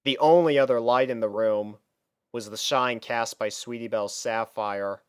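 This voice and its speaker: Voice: medium pitch, normal speed, smooth, no echo, clean studio sound. A narrator reading a story aloud from a script. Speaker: fan fiction reader and narrator.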